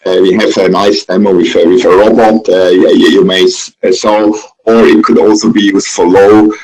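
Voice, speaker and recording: A man from Switzerland with a Swiss accent, moderating a webinar question-and-answer session in a hesitant, halting way. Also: deep voice, level tone, darkish tone, rough recording.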